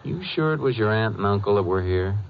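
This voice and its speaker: A stern, shrewd lawman in an American radio western of the 1950s. His voice sits very low and stays dry and unruffled. The old recording sounds dull. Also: animated, a little fast, vocal fry. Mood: stern, probing. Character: stern, shrewd Texas Ranger, calm and dogged. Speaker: lead investigator and narrator. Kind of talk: 1950s radio drama acting.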